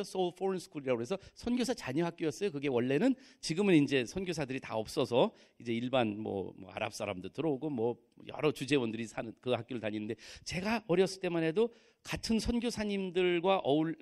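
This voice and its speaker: A man's voice: on the high side, darkish tone. A man in his fifties from Korea, preaching a sermon in a humorous, conversational way and acting out other people's voices. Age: 50s. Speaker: pastor. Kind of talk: sermon storytelling. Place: church.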